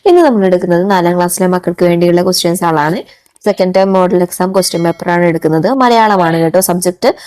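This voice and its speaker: A woman opens an educational video with a brisk, friendly greeting to her viewers. She talks fast in a low, mellow voice. The sound is dry and close. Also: dry recording. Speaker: channel host. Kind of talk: cheerful channel intro.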